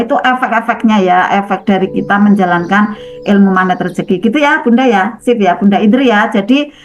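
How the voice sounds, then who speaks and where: Chatty middle-aged woman, lo-fi, faint music. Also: mid-range voice. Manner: conversational, acts out little quoted dialogues in a softer voice. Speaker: speaker sharing experience in a study group. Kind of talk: casual spoken talk to a group.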